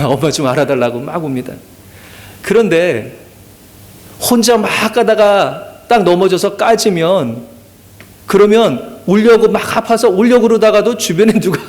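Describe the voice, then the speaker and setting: A male pastor giving an earnest Sunday sermon in a church, often drawing amens from the congregation. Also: a little high. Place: church sanctuary.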